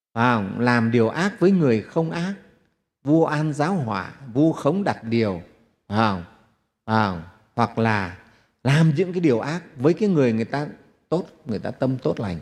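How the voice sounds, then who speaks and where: A man's voice: medium pitch, a little mellow. A man, a Buddhist monk telling a teaching story with rhetorical questions to his congregation. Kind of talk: sermon storytelling. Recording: long hall reverb.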